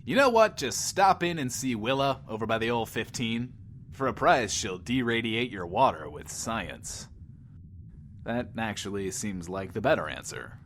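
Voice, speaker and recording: Casting: cocky, flippant wasteland radio DJ, low voice, highly animated patter for an audio drama, noise behind. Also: male voice, moderate pace. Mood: flippant, musing. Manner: smug, flippant, talks of himself in third person. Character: cocky, sleazy wisecracking radio DJ of a post-apocalyptic wasteland. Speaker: radio host.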